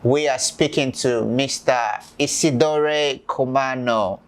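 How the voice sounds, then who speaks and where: A man's voice: medium pitch, steady tone, slow pace. A man hosting an interview, speaking formally and politely to his guest. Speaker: host.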